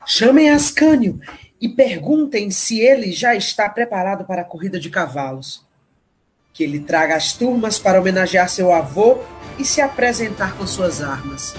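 A man's voice: high voice, expressive, normal speed, slightly rough, soft background music. A man with a Brazilian accent playing a tender, grieving hero and proud father in a theatrical audio drama. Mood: commanding. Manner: theatrical, sentimental.

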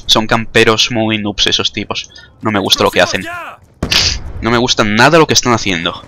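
A man's voice: on the low side, normal speed. A young man with a Spanish accent from Spain gives chatty, joking commentary while playing a game, mocking his own skills. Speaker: gaming commentator. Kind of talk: casual gameplay commentary.

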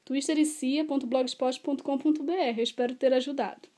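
A woman's voice: sits high, fairly even intonation, normal speed, dark tone, distant mic. A woman, chatting casually in a home vlog and doting on her pet in baby talk while she bathes it. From Brazil. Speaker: pet owner vlogger. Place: indoors at home, bathing a pet.

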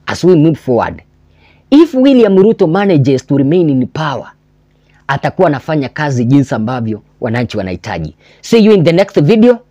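Emphatic young Kenyan man, animated pitch. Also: a little fast, dry recording, muffled recording. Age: 20s. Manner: emphatic, rhetorical questions, repeats key phrases for stress. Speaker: political commentary vlogger. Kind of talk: impassioned commentary to camera, mixing English and Swahili. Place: small indoor room with a backdrop, armchair.

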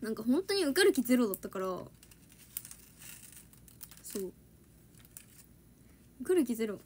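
A woman's voice: a little high, sing-song, moderate pace, a little mellow. A young woman chatting casually on a livestream, giggling and answering viewers' comments. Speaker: idol trainee livestreaming to fans.

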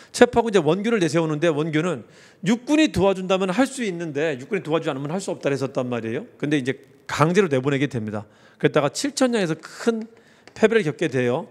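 Male history lecturer, exam review lecture, repeats key words, lively rising and falling voice, long reverb. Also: a little high.

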